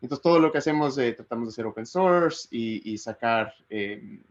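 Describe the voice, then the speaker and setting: A man from Ecuador, giving a relaxed academic talk over a video call and thinking aloud as he goes. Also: medium pitch, normal speed. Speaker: guest speaker. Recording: slightly muffled video call audio.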